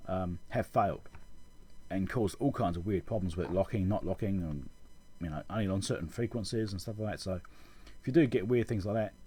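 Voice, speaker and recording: A man's voice: low voice, a little fast, dark tone, slightly rough. A man giving an informal technical tutorial, explaining things as he thinks aloud. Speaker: electronics repair video host. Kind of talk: casual technical tutorial over schematics.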